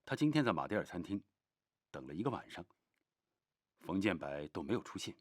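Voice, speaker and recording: Military subordinate: deep, matter-of-fact, respectful, period TV drama, dry recording. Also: male voice, very animated, fairly quick, no room sound. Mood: deferential. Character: deferential male military subordinate reporting. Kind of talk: Chinese period TV drama acting.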